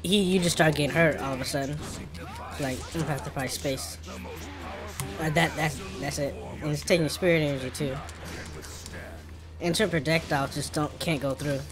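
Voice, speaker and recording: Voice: medium pitch, fairly even intonation, moderate pace, long pauses, music in the background. A gaming streamer with an African American English accent, giving casual gameplay commentary.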